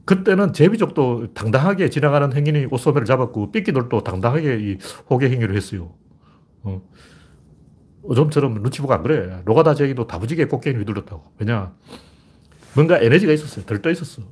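An older man giving a rambling, blunt, rough-spoken commentary monologue in a casual way. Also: mid-range voice, animated, a little fast, a little mellow.

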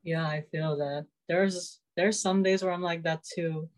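A woman's voice: fairly low pitch, steady tone, unhurried, poor audio. A woman in her twenties in casual, laid-back, wry conversation. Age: 20s. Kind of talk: casual chat on a video call.

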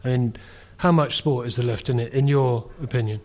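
A man's voice: medium pitch, steady tone, a little fast, darkish tone. A man hosting a podcast, reading out listener questions with fillers and restarts. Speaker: podcast host.

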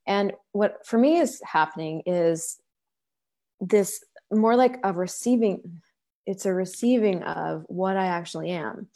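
A woman's voice: lowish voice, a little slow, darkish tone. A woman hosting a casual video-call chat, talking in a scattered way, often breaking off and restarting, with casual swearing. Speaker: podcast host and facilitator.

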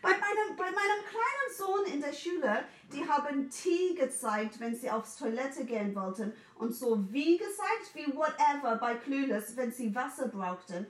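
A woman in her forties from England with an English accent, chatting in German as a second language in an animated way and mixing in English words. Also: high voice, moderate pace, hardly any pauses, distant mic. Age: 40s. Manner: animated, mixes in English words, acts out quoted voices. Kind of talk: casual chat. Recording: echoey room, a bit off mic.

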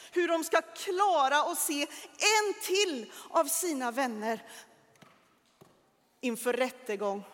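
A woman telling a Bible story to children in a church, animated and dramatic, with lively asides. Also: on the high side. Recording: long reverb of a large hall.

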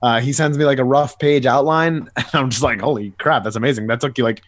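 Young man, rapid casual podcast chat, rambling anecdotes, dry close sound. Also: mid-range voice, no room sound. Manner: fast, rambling, animated storytelling. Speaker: podcast co-host and comic writer.

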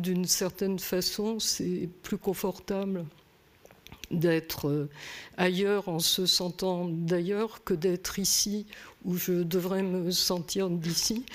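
A French-born woman speaking thoughtfully in a conversation, hesitant with many pauses and fillers. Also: on the low side. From France. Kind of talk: reflective conversation.

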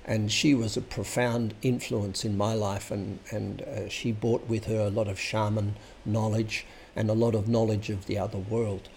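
A man's voice: fairly low pitch, flat delivery, moderate pace, gravelly, hardly any pauses, a little mellow, slight background noise. A man telling a long personal story in a rambling, hesitant, anecdotal way. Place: Sydney home base.

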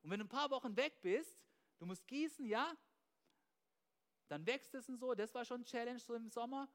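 A man's voice: very high-pitched, normal speed. A man preaching a sermon with energy, often starting phrases with "hey" and checking in with "ja?", mixing in English slang words. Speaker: pastor.

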